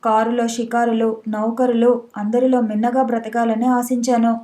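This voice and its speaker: Woman reading haughty young wife, scornful, storybook, mellow, even-toned. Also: on the high side, moderate pace, natural voice. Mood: bitter. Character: proud angry young wealthy wife.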